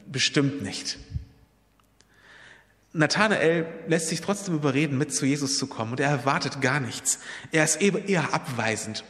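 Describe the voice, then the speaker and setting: A man's voice: medium pitch, fairly bright tone, in a large hall. A man preaching a sermon, retelling a Bible story in an earnest, personal way and appealing directly to his listeners.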